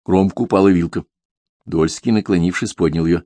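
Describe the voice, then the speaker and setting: A man narrating an audiobook in a steady, even storytelling manner. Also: low-pitched, a little fast, no room sound. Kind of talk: scripted narration.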